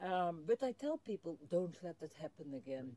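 Dry with no echo, the recording has a woman speaking fairly slowly in a dark, mellow tone. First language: not English. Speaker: solar cooking educator. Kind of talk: casual interview. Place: garden. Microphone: phone near.

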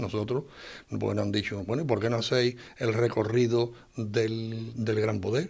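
Vocal fry marks this man's speech, delivered at a moderate pace with ordinary pitch variation. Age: 60s. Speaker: brotherhood leader. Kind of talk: interview. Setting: meeting room. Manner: halting, repetitive. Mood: indignant, complaining. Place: home room.

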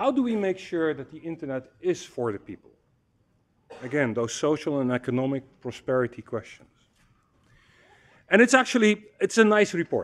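Pausing long and often, a man keeps a moderate pace. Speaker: keynote speaker. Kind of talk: conference keynote talk. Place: hall.

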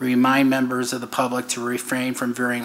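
A man's flat, monotone delivery at a fairly quick pace, with light background noise. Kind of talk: formal meeting procedure reading. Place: hall.

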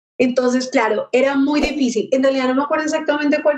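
The woman's pitch sits high. She talks at a fairly quick pace. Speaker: remote interview guest. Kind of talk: interview answer. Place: home room. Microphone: video call.

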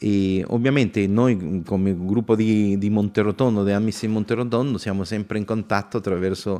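A man with an Argentine accent has a dark, mellow tone and a fairly low pitch. His intonation is fairly even, and the background is quiet. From Argentina. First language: Spanish (speaking Italian). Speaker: human rights volunteer; guest. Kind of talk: radio interview. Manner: halting. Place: studio. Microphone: studio mic.

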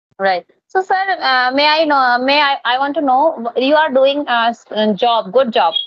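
Fairly slow speech with lively intonation, in an Indian accent. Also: woman, high pitch for a woman, very even loudness. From Delhi, India. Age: 20s. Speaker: housewife and English learner. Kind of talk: casual English practice conversation. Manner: halting.

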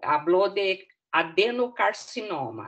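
Against a quiet background, a woman speaks very slowly in a fairly low voice with lively intonation. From Brazil. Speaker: librarian trainer. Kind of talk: online training presentation. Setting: video call. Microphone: video call.

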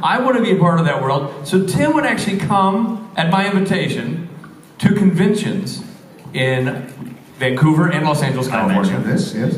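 Audible room echo and light background noise surround a man who speaks at a moderate pace with lively intonation. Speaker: guest. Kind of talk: stage storytelling to audience. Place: stage.

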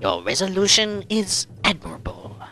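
Using a cartoonish character voice, a man talks at a fairly slow pace with very wide pitch swings. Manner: pompous, then outraged and shouting.

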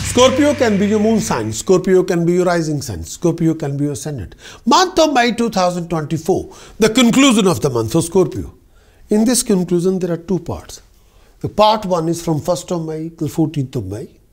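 Against a quiet background, a man speaks at a moderate pace in a high voice with very wide pitch swings. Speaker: presenter. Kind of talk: horoscope forecast talk to camera. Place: studio. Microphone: lapel.

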